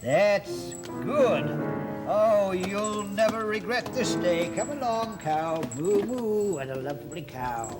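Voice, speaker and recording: A man's voice: high voice, lively intonation, takes it slowly. A man voicing a sly old male peddler with coaxing, sing-song sales patter, over music. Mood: wheedling.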